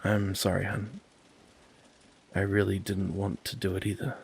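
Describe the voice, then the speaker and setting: A man's voice: low-pitched, little pitch movement, measured pace, gravelly, slight background noise. A man voicing an anxious young man who stammers and defends himself to his partner. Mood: gentle.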